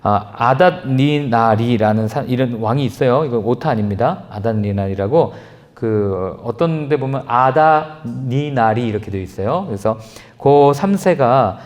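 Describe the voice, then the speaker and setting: A man, a pastor giving an animated Bible lecture, acting out quoted lines in changing voices. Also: unhurried. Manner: lively, acts out quoted lines with shifting pitch. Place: church.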